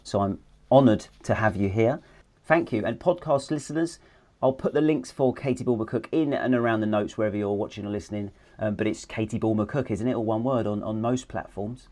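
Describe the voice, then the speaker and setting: A man's voice: lowish voice, a little fast, warm tone. A man hosting a podcast, chatting casually with a guest in a jokey, teasing way. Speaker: podcast host. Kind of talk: casual interview chat.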